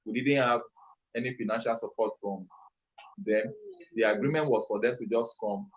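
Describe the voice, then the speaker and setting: A man's voice: mid-range voice, normal speed, highs cut off. A man with a Nigerian accent, an entrepreneur answering an interview question on a live stream, talking in a passionate, emphatic, rambling way. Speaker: entrepreneur and youth trainer, guest.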